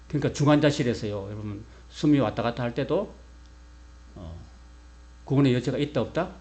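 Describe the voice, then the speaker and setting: A man's voice: medium pitch, warm tone. A man preaching a sermon from the pulpit. He peppers the congregation with questions and answers them himself. A faint electrical hum runs under his voice. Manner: leads a call-and-response with the congregation. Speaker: pastor.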